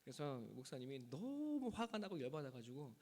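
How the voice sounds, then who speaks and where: A man's voice: medium pitch, sing-song, normal speed, a little mellow, in a large hall. A man preaching a Sunday sermon as the pastor of a church, with emphatic delivery. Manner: emphatic preaching, voice rising and falling sharply. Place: church sanctuary.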